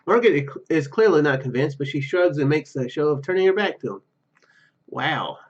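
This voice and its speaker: A man doing a let's play, reading story text aloud haltingly and dropping in casual asides. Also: on the high side, expressive, highs cut off. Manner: halting, stumbles over read words. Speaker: gaming YouTuber.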